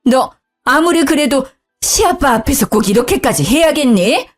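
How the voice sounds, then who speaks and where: A woman doing a shrill, sharp-tongued older mother-in-law, snappish and whining, high and lively in pitch. Soft music hums under this storybook figure. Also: moderate pace. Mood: reproachful.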